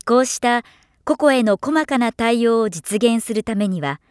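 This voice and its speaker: A woman who works as a professional voice-over narrator, reading a script in a formal, measured, clearly articulated way. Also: on the high side, lively intonation, darkish tone, no echo, studio quality. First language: Japanese. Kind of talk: polished scripted narration for demos.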